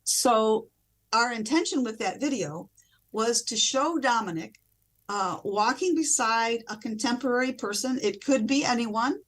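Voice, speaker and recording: Measured woman religious sister explaining. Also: on the high side, fairly bright tone. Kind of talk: explanatory interview answers.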